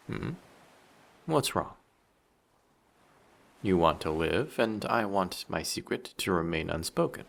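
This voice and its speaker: A man voicing a flirty, possessive sea monster in human guise for an intimate roleplay audio drama, measured and politely menacing. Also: deep voice, lively intonation, vocal fry, heavily acted. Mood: calmly menacing.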